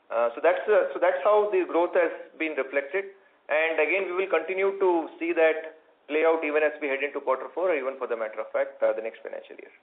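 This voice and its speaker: A man with an Indian accent answering questions as a company executive on an earnings call, in measured corporate phrasing with frequent hedges. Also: a little high. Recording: narrow tinny phone-line audio.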